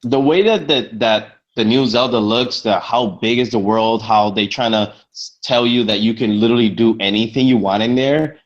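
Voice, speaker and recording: A man's voice: medium pitch, normal speed, dull audio. A man joining a casual gaming chat, agreeing readily and cracking dry jokes. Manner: agreeable, jokey, keeps saying exactly.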